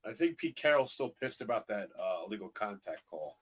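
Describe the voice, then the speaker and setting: Easygoing New York fan co-host. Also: male voice, lowish voice, sing-song, a little fast, a bit bright, breathy edge. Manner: easygoing, storytelling, filler-heavy. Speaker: live stream co-host. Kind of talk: casual fan chat. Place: home, on a video call.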